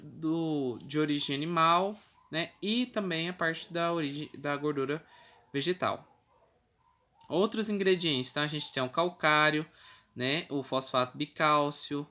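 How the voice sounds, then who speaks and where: Bright-voiced Brazilian teacher giving a lecture. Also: medium pitch. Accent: Brazilian Portuguese. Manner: explains step by step with frequent "né" and "tá" tags, stumbles and corrects itself. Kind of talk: recorded online class lecture.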